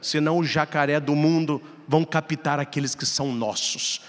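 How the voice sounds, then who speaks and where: A man with a Brazilian Portuguese accent, a Catholic priest giving an animated homily and acting out voices in his anecdotes. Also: a little high, normal speed. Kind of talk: sermon. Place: large church. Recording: long church reverb.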